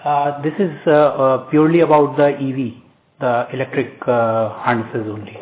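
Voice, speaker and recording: Halting Indian executive on a noisy phone line. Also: male voice, medium pitch, steady tone. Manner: halting, pausing mid-sentence. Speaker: company executive answering questions. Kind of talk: earnings call answers. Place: telephone conference call.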